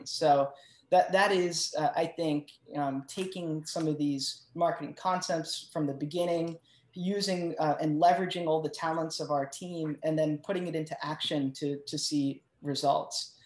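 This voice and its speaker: A conference presenter talking through a case study semi-freely, in a halting way that thinks aloud and repeats words. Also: mid-range voice. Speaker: journal team member presenting a case study. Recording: roomy, echoing sound.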